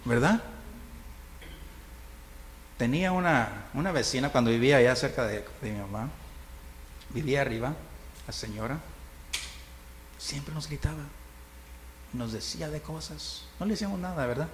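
A man's voice: mid-range voice, normal speed, long pauses. Guy preaching, chatty, keeps asking the church "right?", long echo in the hall. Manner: conversational preaching, tag questions, chuckles. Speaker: pastor. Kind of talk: sermon. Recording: reverberant hall, faint noise.

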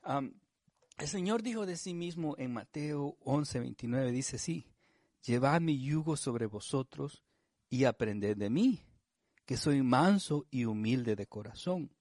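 A man's voice: medium pitch, expressive, darkish tone, no room sound, studio quality. Conversational man preaching a sermon. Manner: conversational, frequent tag questions and fillers; reads scripture slowly and with emphasis. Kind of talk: sermon, Bible study teaching.

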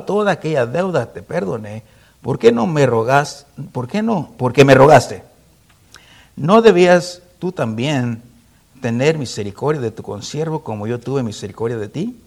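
Man preaching, voice on the high side, pitch rising and falling a lot, quizzing the congregation between scripture readings. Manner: rhetorical questions to the congregation; reads scripture aloud in a raised voice. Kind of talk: sermon.

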